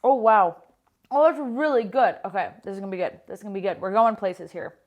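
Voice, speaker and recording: A woman's voice: medium pitch, fairly quick. An American woman in her thirties, a pastry chef hosting a casual home cooking tutorial in her kitchen, upbeat and chatty with lots of "like" fillers. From United States. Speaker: baker and pastry chef, cooking show host.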